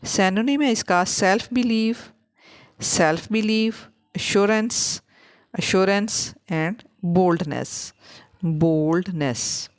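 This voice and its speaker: A woman teaching English vocabulary, repeating each word slowly for learners. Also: mid-range voice. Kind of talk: vocabulary lesson.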